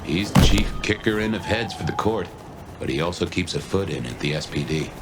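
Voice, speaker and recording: An actor playing a wry, world-weary vampire detective companion in a video game, talking in a folksy, conversational way. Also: male voice, low-pitched, animated, a little fast, background noise. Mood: confiding. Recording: loud music behind the voice.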